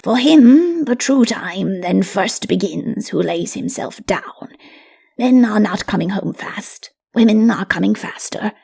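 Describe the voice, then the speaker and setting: A woman's voice: medium pitch, gravelly, a little mellow, slightly rough, exaggerated voice. A woman voicing a solemn, patient, fatherly old patriarch in a fantasy audiobook, with grave, assured pronouncements.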